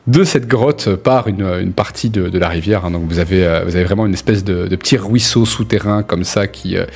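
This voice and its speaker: A man's voice: deep voice, a little fast, creaky, darkish tone. A man improvising narration as a tabletop game master, in an informal, colloquial way. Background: background music.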